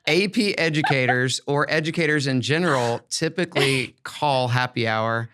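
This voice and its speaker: A man's voice: medium pitch, normal speed, sharp tone, smooth. American man hosting an educational podcast. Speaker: podcast host, former school principal. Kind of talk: conversational educational podcast talk.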